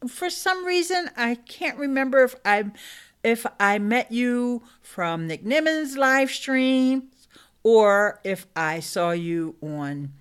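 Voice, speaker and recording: A woman's voice: fairly high pitch, animated, slow, smooth. A middle-aged woman hosting a casual live stream, chatting upbeat with her viewers and laughing often. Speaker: YouTube live stream host. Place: small room indoors.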